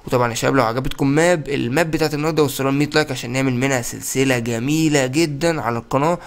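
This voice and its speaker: Young Egyptian male gaming host, playful and chatty, rattles along quickly. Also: mid-range voice. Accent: Egyptian Arabic. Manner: playful, chatty, addresses viewers directly. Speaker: gaming YouTuber. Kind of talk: casual gameplay commentary.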